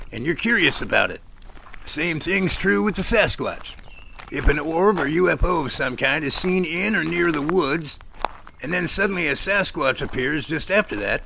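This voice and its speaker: A man's voice: on the high side, gravelly, pushed and bright, a little hiss or hum, exaggerated voice. A man playing an opinionated friend who reasons at length and argues his points in an audio drama. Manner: explanatory, argumentative, long reasoned speeches. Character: opinionated, reasoning male friend debating strange phenomena.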